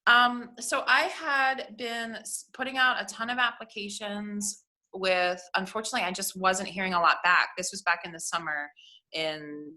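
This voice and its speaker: A woman with a bright, forward voice talks as a panelist on a video call. She is chatty and enthusiastic, with fillers scattered through her talk. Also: mid-range voice, steady tone, moderate pace. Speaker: panelist, program graduate. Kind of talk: casual chat on a video call.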